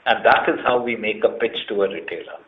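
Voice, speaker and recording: A man's voice: on the low side, fast. An Indian man speaking as a company chief executive on an earnings call, explaining emphatically and setting out his points one by one. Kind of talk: earnings conference call answers. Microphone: conference call line. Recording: muffled, band-limited conference call audio.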